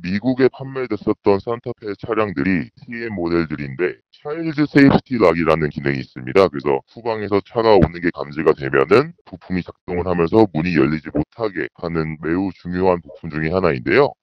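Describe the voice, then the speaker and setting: A man, an anonymous whistleblower, speaking over a phone line through a voice changer that lowers his pitch, giving measured, formal explanations. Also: expressive, no echo. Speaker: anonymous whistleblower, auto parts subcontractor employee. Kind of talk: interview answers. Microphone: phone call. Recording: dull phone line with faint music.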